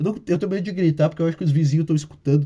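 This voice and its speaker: A man's dark, mellow tone at a fairly high pitch. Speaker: podcaster. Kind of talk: casual solo monologue. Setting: home bedroom at night. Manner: speaking quietly.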